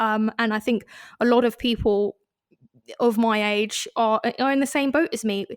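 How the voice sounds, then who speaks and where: At a moderate pace, a woman with a plain, everyday voice and a fairly high pitch comes through on a very clean recording with a silent background. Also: dry, close sound with no echo. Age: 20s. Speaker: panellist. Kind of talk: panel discussion.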